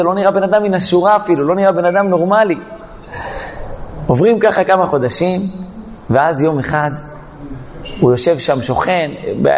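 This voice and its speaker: A man's voice: high voice, darkish tone, long reverb tail, highs cut off. A man teaching a Torah lesson, telling a parable dramatically and acting out the characters. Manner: dramatic storytelling, acts out the characters. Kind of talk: storytelling lesson.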